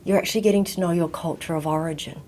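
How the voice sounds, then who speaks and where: A woman from Vietnam, raised in Australia, giving a slow, reflective talk and often dropping to a near whisper. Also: lowish voice, steady tone, mellow, slight background noise. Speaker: guest teacher.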